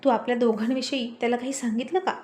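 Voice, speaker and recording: A stubborn young wife who scolds and insists on having her way, as a woman narrator puts her on. The voice is fairly high. It is told as a storybook scene. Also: fairly even intonation, fast, a little mellow, natural voice. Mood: insistent. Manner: complaining, insistent.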